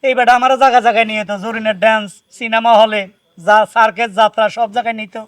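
Comedy-drama casting: a high-voiced, lamenting village husband, dry close sound. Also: male voice, level tone, rapid-fire, clear, resonant tone, no echo. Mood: pleading. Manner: loud lamenting wails. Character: simple-minded village husband, wailing for his friend.

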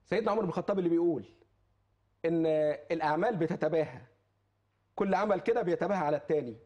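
Man, Egyptian accent, talk-show guest. Fervent preacher who quotes scripture, high voice, rapid delivery. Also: a little mellow, highs cut off. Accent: Egyptian Arabic. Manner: impassioned, quotes scripture, repeats oaths. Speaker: charity foundation guest.

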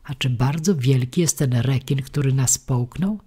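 A woman's voice: very deep voice, a little slow, warm tone, slightly rough, heavily acted. A woman voicing a frightened, tearful wooden puppet boy who pleads and frets in a storybook reading. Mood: eager. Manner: panicky, pleading.

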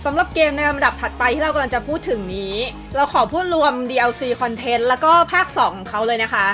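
Bright, high-voiced woman presenting games. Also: fast. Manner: friendly, addresses viewers politely as friends. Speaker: video host presenting a game list. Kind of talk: upbeat scripted video narration. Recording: music behind the voice. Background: background music.

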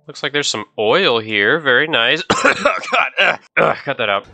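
A man's voice: medium pitch, very animated, a little slow, gravelly, pushed and bright, faint music behind. A young man with a stuffy, nasal voice from a cold, chatting casually to viewers while playing a game. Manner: chatty, easily distracted, talks to viewers. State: sick, stuffy nose. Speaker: gaming video host. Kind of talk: casual gameplay commentary.

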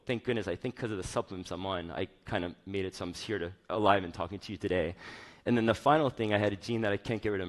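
A middle-aged man giving an informal, personal conference talk on stage in a conversational, rambling way. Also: fairly low pitch. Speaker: chief medical officer giving a keynote.

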